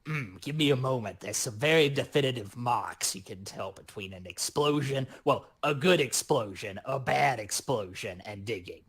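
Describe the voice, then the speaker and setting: Man playing a goblin demolitionist, husky rasp, medium pitch, crazy, reckless, flippant, chatty, tabletop roleplay character. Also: normal speed, hardly any pauses, fairly bright tone. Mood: cocky, expert. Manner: flippant, chatty, mock-fussy about explosions.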